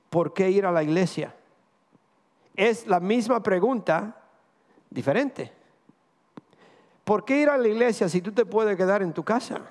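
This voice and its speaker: A man's voice: sits high, big-room sound. A male pastor from the Caribbean preaching a sermon to his congregation, posing rhetorical questions and restarting phrases as he goes.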